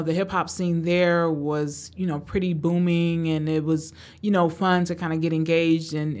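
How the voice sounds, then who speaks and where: A woman with a fairly low voice answers interview questions as a guest professor. She talks in a relaxed, thoughtful way, often pausing and using fillers. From Tanzania, raised in Cleveland, Ohio.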